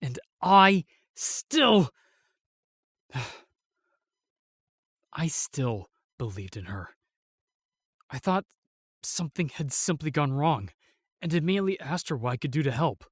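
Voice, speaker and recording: A man playing a solemn, remorseful knight in a fantasy audio drama, telling things in a halting, weighty way. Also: fairly high pitch, big pitch swings, slightly rough, no echo, exaggerated voice. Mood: pained. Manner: halting, weighty storytelling with sighs and pauses. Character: solemn, remorseful knight, sworn protector of the realm.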